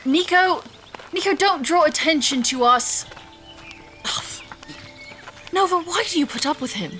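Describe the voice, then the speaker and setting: A woman's voice: extremely high pitch, animated, unhurried, pushed and bright, soft background music, heavily acted. An actress playing a skeptical, proud woman doctor in an audio drama, dry, precise and disapproving. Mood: exasperated.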